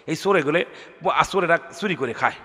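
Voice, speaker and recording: A man preaches, animated, calling on listeners to answer back. His voice runs high for a man and very sharp. It carries a long reverb from a large space. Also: fast. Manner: animated, calls for responses from the crowd. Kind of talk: sermon.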